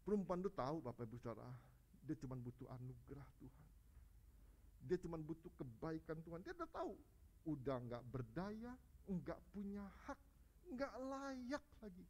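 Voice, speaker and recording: A male preacher giving a lively, conversational sermon at a church service, alternating loud rising peaks with quiet low stretches and often addressing the congregation directly. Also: moderate pace.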